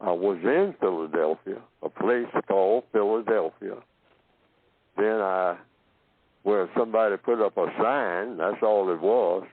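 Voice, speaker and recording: A man from Oklahoma giving a slow philosophical talk, asking himself questions and answering them, and repeating phrases to build his point. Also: on the low side, slightly rough, no room sound. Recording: tinny phone-line audio.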